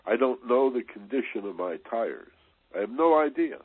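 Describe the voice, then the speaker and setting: A man's voice: medium pitch, expressive, moderate pace, husky, dry recording. A man hosting a motivational radio talk, chatting conversationally and often dropping in "you know" and "right?". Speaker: radio host. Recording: tinny, dry, band-limited radio sound.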